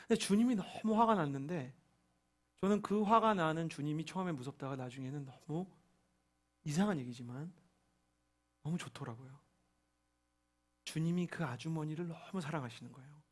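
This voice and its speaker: A man's voice: on the high side, brisk, pauses often. A young adult man preaching a sermon as a pastor, telling a story and acting out the voices in it. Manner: animated, acts out quoted voices.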